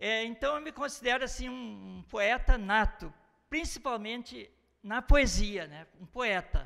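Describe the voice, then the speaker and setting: Very slowly, a man speaks at an extremely high pitch in a raised, projected voice with a bright, sharp tone. His intonation is lively, his loudness swings widely, and the background is quiet. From Brazil, Rio Grande do Sul. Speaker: retired teacher and poet; retired teacher, poet. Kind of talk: acceptance speech. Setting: council chamber with audience. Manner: halting. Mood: happy, moved, grateful. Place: hall. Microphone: podium.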